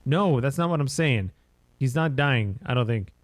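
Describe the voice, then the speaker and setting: An uneasy, tipsy gas station worker voiced by a man reading game text rambles hesitantly to the police. The voice is mid-pitched and dryly recorded, in a horror game's emergency call. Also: animated, normal speed, dry recording, lightly acted. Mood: spooked, defensive. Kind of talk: reading game dialogue aloud.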